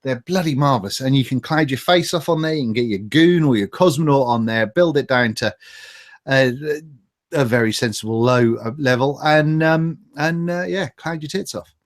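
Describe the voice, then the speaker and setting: Reading out viewer comments on his livestream, this British host keeps things chatty, relaxed and sweary. His voice sits mid-range and moves at a moderate pace.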